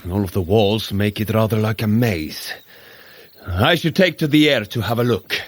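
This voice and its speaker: An actor playing a noble, earnest warrior god in an audio drama, speaking in a formal, commanding way. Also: male voice, on the low side, normal speed, close to an everyday voice. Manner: stately, formal, declarative. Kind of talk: scripted audio drama acting.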